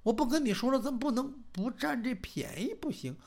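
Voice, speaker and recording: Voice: mid-range voice, lively intonation, normal speed, darkish tone, voice pushed up, lightly acted. A storyteller doing a coarse, greedy old man. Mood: scheming. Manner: coarse, bullying, swearing. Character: greedy lecherous old father-in-law.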